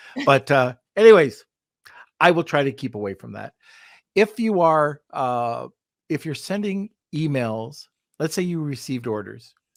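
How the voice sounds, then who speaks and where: A man with a Canadian accent and fairly high pitch speaks at a fairly slow pace with long, frequent pauses, very wide pitch swings and big swings in loudness, in a dry, close sound with no echo and a very clean recording with a silent background. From Canada. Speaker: podcast host. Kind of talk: podcast interview.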